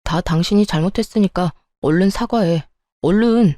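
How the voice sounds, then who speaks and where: A woman's voice: on the low side, normal speed, mellow, no room sound, clean studio sound, lightly acted. A woman voicing an angry adult husband who sides with his mother and orders his wife around. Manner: demanding, commanding tone. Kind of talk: storytelling narration.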